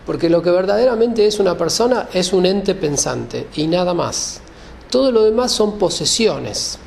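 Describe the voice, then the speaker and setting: A man's voice: high voice, lively intonation, normal speed, creaky, a little mellow, a little hiss or hum. A man giving an explanatory lecture, speaking didactically, often rephrasing and checking that listeners follow.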